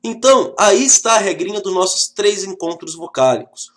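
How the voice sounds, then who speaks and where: Um professor com sotaque brasileiro dando uma videoaula animada, falando direto com a turma em tom de brincadeira. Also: male voice, high-pitched, moderate pace. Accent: Brazilian Portuguese. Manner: lively, joking, talks straight to the class. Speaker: teacher. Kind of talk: video lesson.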